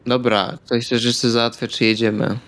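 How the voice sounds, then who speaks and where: A man's voice: medium pitch, level tone, normal speed, fairly bright tone. A man speaking casual, blunt in-character dialogue as a tabletop roleplay player.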